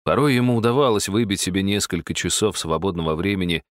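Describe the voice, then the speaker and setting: A man narrating a novel in a measured, wry way. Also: low-pitched, dry recording. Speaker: audiobook narrator. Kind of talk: scripted audiobook narration.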